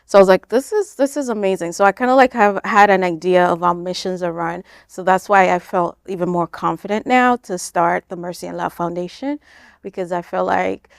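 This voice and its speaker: A woman from Kenya speaks as an interview guest, on the lower side in pitch. She explains things informally, peppering her sentences with "like" and "you know". The sound is dry, with very little room in it. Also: fairly quick, gravelly, dry recording. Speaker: interview guest, nonprofit founder. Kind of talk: conversational interview answers.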